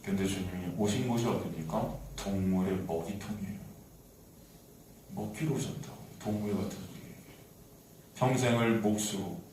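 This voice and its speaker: Preaching Korean pastor in echoey hall. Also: male voice, fairly low pitch, moderate pace, a little hiss or hum. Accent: Seoul Korean. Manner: dramatic swings from soft to loud, acting out voices. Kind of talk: sermon. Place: church sanctuary. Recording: echoey church hall, mic at a distance.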